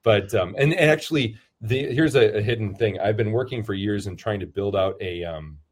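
Answering interview questions at a moderate pace, a low-voiced man who is a priest and football chaplain rambles, self-deprecating and heavy on fillers.

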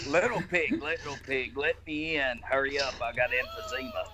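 A man voicing an old, wheezing male wolf who is pushy and grumbles quietly. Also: medium pitch, a little slow, a loud crowd, close to an everyday voice. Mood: grumbling.

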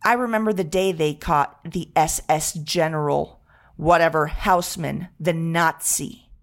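A woman imitating a rude male French hotel clerk, blunt and accusing, in a slightly lower voice than her own. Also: a little slow.

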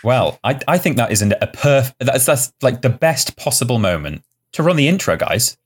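A man co-hosting a casual comedy podcast, tossing in dry, deadpan jokes. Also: mid-range voice, normal speed, slightly rough. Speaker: podcast co-host.

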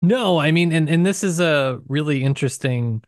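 A man's voice: on the high side, normal speed, no echo, studio quality. A man co-hosting a podcast, talking casually and discursively about literature, with hedges and asides. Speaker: podcast co-host.

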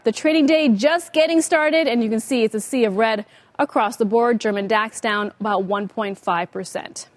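American lady anchor doing rapid market news, brisk, kinda high voice, dry sound with faint music. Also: no room sound. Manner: brisk broadcast delivery. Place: TV news studio.

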